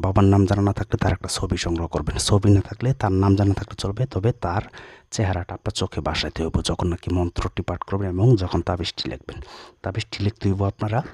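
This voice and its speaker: A man's voice: sits low, darkish tone, husky, no echo. A man, a folk healer in his chamber who boasts, repeats his challenges, and chants incantations in a rhythmic drone. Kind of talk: instructional video with chanted incantations. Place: his healing chamber, indoors.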